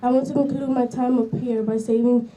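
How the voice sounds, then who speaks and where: A woman's voice: on the high side, fairly even intonation, moderate pace, mellow. Earnest young woman reading a rally speech. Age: young adult. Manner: earnest, reading with small slips. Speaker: student speaker at a rally. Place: outdoor school campus. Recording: distant mic, faint outdoor noise.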